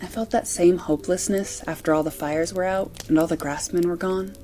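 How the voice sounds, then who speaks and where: A woman playing a sympathetic partner in an amateur audio drama, speaking in a soft, soothing, caring manner. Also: on the low side, fairly even intonation, normal speed, natural voice. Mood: tender, concerned. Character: caring, sympathetic female partner listening to her man. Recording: faint music under the voice.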